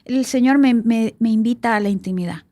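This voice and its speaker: A woman's voice: on the high side, brisk, dark tone. A woman co-hosting a Christian podcast, speaking earnestly and reflectively. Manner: earnest, reflective, often quoting God in voiced lines. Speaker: podcast co-host.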